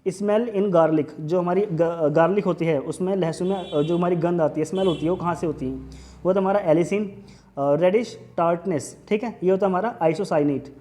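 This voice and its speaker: A man's voice: high-pitched, normal speed, dark tone. A man teaching an exam revision lesson in a casual way, often saying "okay" and mixing in English terms. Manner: casual, repeats "theek hai", mixes English terms. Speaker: quiz teacher.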